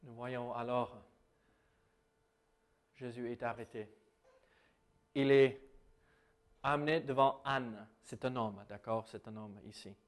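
A man's voice: mid-range voice, fairly even intonation, takes it slowly, long pauses. A man with an American accent, preaching a conversational sermon with many hesitations and self-corrections. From United States.

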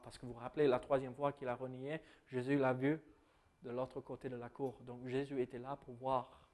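A man with an American accent, preaching a conversational sermon with many hesitations and self-corrections. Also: medium pitch. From United States.

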